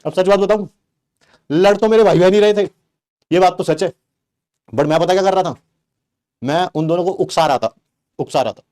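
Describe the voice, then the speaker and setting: Animated high-voiced male teacher. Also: normal speed, pauses often. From Delhi, India. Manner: animated, exaggerated storytelling with rhetorical questions. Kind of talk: comic personal anecdote told to a class.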